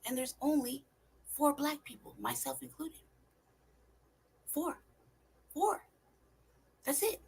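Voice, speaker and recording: With a high voice full of vocal fry, this California vlogger goes slowly and pauses often. Her casual monologue is heavy on swearing, strong emphasis and rhetorical questions.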